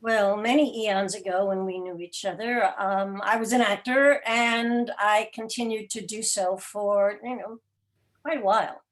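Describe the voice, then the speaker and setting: A mature woman speaking reflectively as an interview guest on a video call, articulate, with thoughtful pauses mid-sentence. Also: mid-range voice, fairly even intonation. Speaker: interview guest, theater podcast producer. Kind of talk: reflective conversational talk. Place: indoor room, video call.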